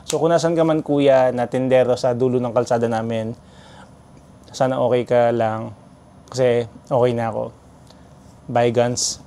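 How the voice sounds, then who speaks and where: Animated, mellow-voiced man. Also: mid-range voice, normal speed, long pauses. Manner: animated, chatty, mixes in English. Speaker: vlogger. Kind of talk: casual storytelling vlog.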